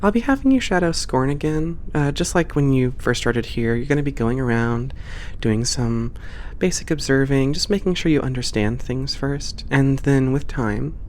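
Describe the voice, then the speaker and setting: A performer with a mid-pitched voice playing a calm, supportive space port boss in a one-sided roleplay, reassuring and softly professional. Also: normal speed, hardly any pauses, slight background noise, close to an everyday voice. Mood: encouraging. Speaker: ASMR roleplay voice actor.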